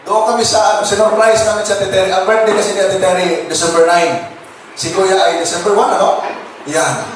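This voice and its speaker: Male pastor cracking jokes w the crowd, kinda high voice, far off mic, super echoey noisy church. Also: a little fast. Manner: jokes with the crowd and laughs often; keeps addressing the listeners as brothers and sisters. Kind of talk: humorous sermon to a congregation.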